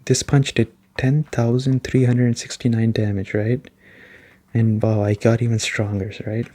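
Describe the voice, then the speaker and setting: Male ASMR gaming reviewer: soft-spoken, warm and relaxed tone, informal rambling explanations. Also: medium pitch, a little slow. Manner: rambling, explanatory, often checking in with "right?".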